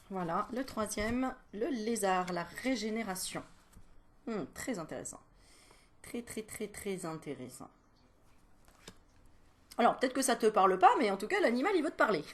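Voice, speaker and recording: A woman doing a casual animal card reading as a medium, chatty and playful, breaking into giggles and self-mocking asides while teasing the viewer. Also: mid-range voice. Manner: teasing, talks straight to the viewer.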